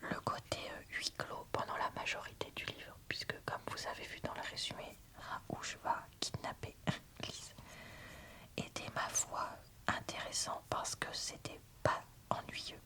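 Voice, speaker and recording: A woman whispering an ASMR book review in a soft, breathy, informal and slightly hesitant way. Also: a little slow.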